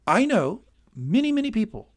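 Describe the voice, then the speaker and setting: A man co-hosting a casual show recap, talking excitedly and swearing freely. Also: high voice, normal speed. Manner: excitable, swears freely, acts out scenes loudly. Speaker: podcast co-host.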